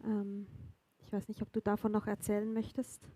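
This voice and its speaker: A woman's voice: medium pitch, normal speed, dry recording. A woman with a Swiss accent interviewing a guest on a church stage, friendly and encouraging. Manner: friendly, encouraging, lively questioning. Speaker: interviewer in a church talk service.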